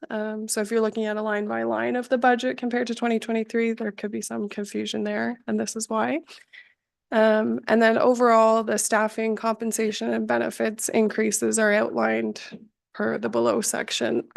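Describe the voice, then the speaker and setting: A woman who is sick with a lowered, hoarse voice, presenting a budget at a council meeting, halting with frequent ums and apologies. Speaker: municipal finance staff presenting budget. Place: council chamber.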